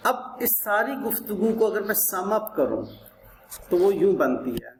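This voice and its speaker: A man's voice: high-pitched, big pitch swings, a little slow. A man with a Pakistani accent lecturing as an accounting teacher, explaining step by step in a didactic way, repeating points and posing rhetorical questions. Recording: roomy echo with clear background noise.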